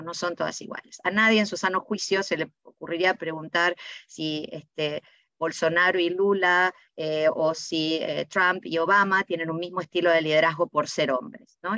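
A woman's voice: fairly low pitch, a bit bright, no room sound. Emphatic woman presenter on a muffled call. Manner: emphatic, rhetorical questions. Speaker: panel speaker, presenter. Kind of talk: prepared slide presentation. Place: remote video call. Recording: muffled dry video-call audio.

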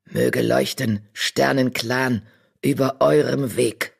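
A narrator voicing Mitternacht, a wise old female badger in an audiobook, who talks slowly with broken word order. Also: mid-range voice, steady tone, gravelly, breathy edge, pitched below the performer's own voice, exaggerated voice. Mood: solemn.

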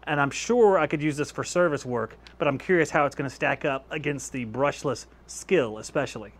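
A man's voice: on the high side, brisk, a little hiss or hum. Chatty man testing tools in a workshop. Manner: chatty and easygoing, laughs at his own results. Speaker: tool-testing YouTube host. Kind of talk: casual hands-on tool review. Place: home workshop with shelves of power tools, indoors. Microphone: clip-on lapel mic.

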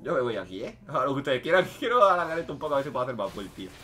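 Young man, gameplay commentary, excitable and joking, wildly lively pitch. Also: very fast, slight background noise. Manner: excitable, joking, swings between loud outbursts and muttering. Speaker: gaming streamer.

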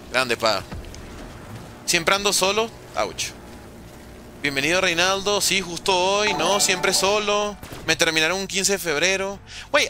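Un hombre joven que transmite en vivo un videojuego, bromeando y respondiendo mensajes del chat en tono casual. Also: male voice, a little high, pushed and bright, slight background noise. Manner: joking, reads and answers chat messages. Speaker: gaming streamer. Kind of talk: casual live-stream chat.

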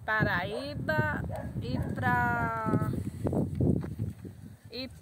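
Old lady from the sertão, high voice, slow and cheery, farmyard noise all around. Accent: Northeastern Brazilian, from Pernambuco. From Brazil. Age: older. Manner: cheerful, lists greetings in a steady singsong run. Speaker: interviewee. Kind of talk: casual chat. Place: outdoors on a rural farmyard. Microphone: handheld camera up close. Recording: loud outdoor noise.

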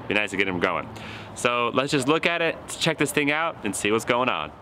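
A man's voice: mid-range voice, sing-song, fairly quick, sharp tone, faint music behind. A man in his thirties, casually talking through a repair job outdoors, thinking aloud as he works. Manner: easygoing, thinking aloud while working. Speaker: shop mechanic host. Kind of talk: casual how-to narration. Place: outdoor junkyard. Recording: outdoor noise behind.

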